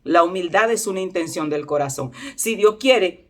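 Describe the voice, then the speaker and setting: A middle-aged Dominican woman preaching a sermon as pastor, animated, acting out the voices of others. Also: on the low side, moderate pace.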